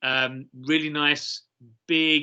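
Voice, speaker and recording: His tone is bright and sharp. The man is heard against a quiet background. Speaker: eyewear sales representative. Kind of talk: product presentation. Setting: virtual trade show.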